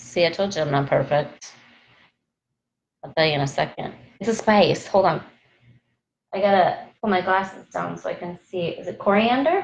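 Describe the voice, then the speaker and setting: This woman speaks at medium pitch and a moderate pace, somewhat breathy. Her pauses are long and frequent, and her loudness swings widely. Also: lively intonation. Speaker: essential oils seller and channel host. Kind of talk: live stream product demo. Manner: animated.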